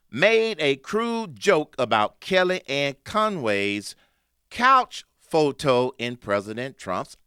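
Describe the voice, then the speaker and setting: A man hosts a talk show, running through the news with a lively, swinging pitch. His voice is bright and smooth. The studio sound is dry and close, and he mixes loud emphasis with low asides. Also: no room sound. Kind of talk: opinionated news commentary.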